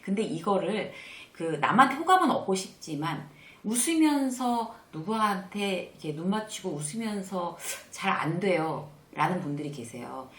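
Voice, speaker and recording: A middle-aged woman, a workplace lecturer and channel host, leads a casual spoken lesson on workplace manners, speaking at a moderate pace with few pauses. She's lively, acting out sample greetings in a bright, higher voice as she goes. The room is roomy and echoey.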